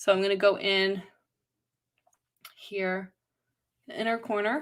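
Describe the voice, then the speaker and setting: With an unremarkable speaking voice, a woman talks fairly slowly at a medium pitch and ordinary pitch variation. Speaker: makeup seller presenter. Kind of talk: live-stream makeup tutorial.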